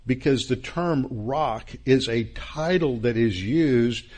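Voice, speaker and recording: A man teaching a verse-by-verse Bible class, with a halting delivery full of restarts and stressed key words. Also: medium pitch, darkish tone. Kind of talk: expository Bible class lecture.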